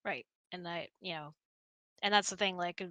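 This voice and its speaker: A middle-aged woman with a lowish, fairly bright voice chats casually at a moderate pace, talkative and explanatory as she hosts a couple's hangout and answers questions. She's on an online voice chat in a close, dry room with no echo.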